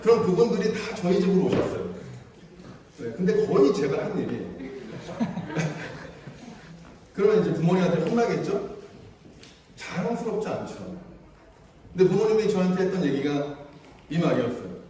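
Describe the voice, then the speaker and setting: A man preaching a children's sermon as pastor, chatty and playful, speaking gently to the kids. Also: high-pitched, very animated, normal speed, pauses often, noisy background. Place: church sanctuary. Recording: echoey church hall from far off.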